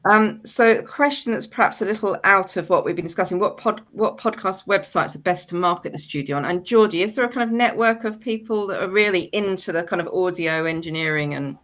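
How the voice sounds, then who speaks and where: A woman's voice: mid-range voice, fairly quick, few pauses, a bit bright. A woman hosting a webinar, putting questions to the panel informally with tentative, rambling phrasing. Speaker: webinar host and moderator.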